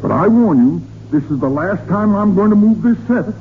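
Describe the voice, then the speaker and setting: An exasperated suburban father in a 1940s radio comedy. He sputters and blusters with lively swings in pitch. The sound is narrow and phone-like with light noise. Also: normal speed. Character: exasperated, grumbling middle-aged suburban father. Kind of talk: 1940s radio sitcom acting. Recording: tinny, noisy 1940s radio recording.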